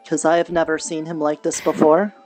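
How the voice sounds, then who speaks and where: Female roleplayer with a slightly low voice, earnest and chatty in character, light music underneath. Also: little pitch movement, brisk, a little mellow. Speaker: streamer and roleplay player. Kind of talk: improvised in-character fantasy roleplay chat. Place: online virtual reality session.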